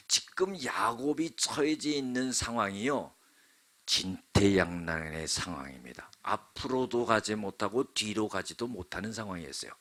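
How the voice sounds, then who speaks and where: A man's voice: on the low side, fairly bright tone. A male pastor preaching a sermon, telling the story dramatically with frequent asides to the congregation. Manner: dramatic storytelling, acts out quotes.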